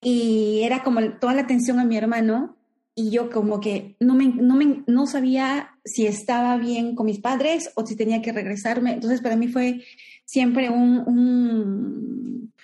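Peruvian woman in her forties, mellow. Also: on the high side, fairly even intonation, a little slow. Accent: Peruvian Spanish. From Peru. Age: 40s. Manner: reflective, many restarts and fillers, laughs often. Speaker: guest. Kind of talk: conversational interview.

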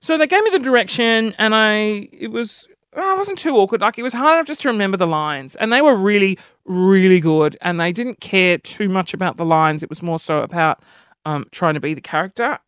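A man with a high-pitched voice hosting a podcast, telling a story in an animated, self-deprecating way. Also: a little fast, smooth, no room sound, clean studio sound. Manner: animated, self-deprecating, jumps between high and low tones. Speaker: podcast host. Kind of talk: casual storytelling monologue.

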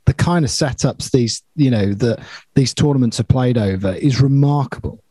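A man with a husky, unpolished voice at an ordinary pitch hosts a casual sports discussion. He talks discursively, tagging points with questions, in a dry, close sound. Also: normal speed, dark tone, no room sound. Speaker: podcast host steering the agenda.

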